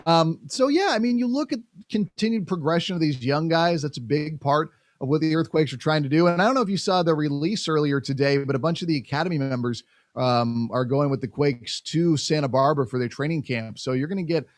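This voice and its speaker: A young man chatting casually about soccer on a podcast. His voice sits a little high and sounds dry and close to the mic. He talks in an animated way, full of fillers, and acts out quoted exchanges. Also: a little fast, dry recording. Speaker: podcast co-host covering soccer. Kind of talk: casual sports chat.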